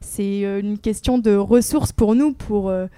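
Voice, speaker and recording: A woman's voice: medium pitch, unhurried, mellow, smooth, no echo. A woman co-hosting a casual panel discussion, talking hesitantly with many fillers.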